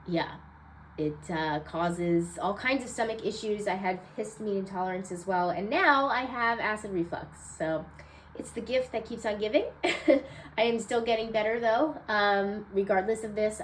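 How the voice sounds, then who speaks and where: A woman with a stuffed-up, nasal voice giving a casual weekly card reading, low on energy and rambling with many fillers. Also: slight background noise, low-quality recording. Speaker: tarot card reader.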